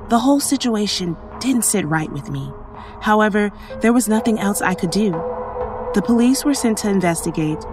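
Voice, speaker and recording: A woman playing an emergency operator who narrates a first-person horror story in a measured, sombre way. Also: medium pitch, a little mellow, close to an everyday voice. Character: female emergency operator recounting a haunting night. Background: faint music.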